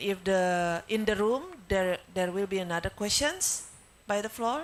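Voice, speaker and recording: A woman with an Indonesian accent speaks at a medium pitch with ordinary pitch variation. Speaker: seminar moderator. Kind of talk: moderating Q&A. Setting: seminar hall with audience and Zoom.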